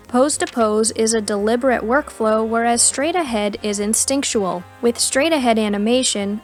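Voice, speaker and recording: A woman reading a scripted educational narration in a measured, articulate explaining manner. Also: on the high side. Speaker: narrator of an animation tutorial. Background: background music.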